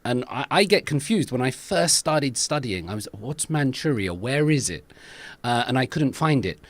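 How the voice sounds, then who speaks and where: A man's voice: medium pitch, expressive, moderate pace, no echo. A man hosting a podcast, asking curious and encouraging questions of an older guest. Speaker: podcast host. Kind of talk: interview.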